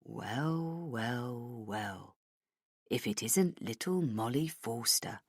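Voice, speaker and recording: Menacing older police chief, male, played by a woman, low and hushed, dry close sound. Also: animated, extremely slow, breathy edge, dry recording, full character voice. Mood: taunting. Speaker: voice acted by audiobook narrator.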